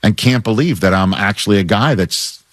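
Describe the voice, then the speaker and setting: A man in his fifties hosting a sports talk show, upbeat and chatty with quick asides. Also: lowish voice, no room sound, studio quality. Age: 50s.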